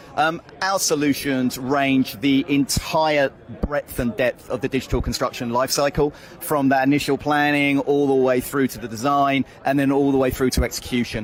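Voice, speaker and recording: With fairly even intonation and a fairly high pitch, a man keeps a moderate pace amid noticeable background noise. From London, England. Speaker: tech company director at trade show. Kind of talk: conference booth interview. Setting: conference exhibition booth.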